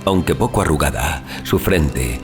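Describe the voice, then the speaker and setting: A man narrating a horror audiobook in a measured, solemn, theatrical manner, as a dramatic scripted reading. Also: a bass voice, expressive. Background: music.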